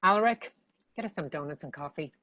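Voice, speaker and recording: A woman's voice: low-pitched, animated, fast talker, pushed and bright, dry recording, dull audio, full character voice. A woman playing a no-nonsense young witch with a dry, commanding manner in a comedy table read. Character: no-nonsense, wry young witch leading demon banishment.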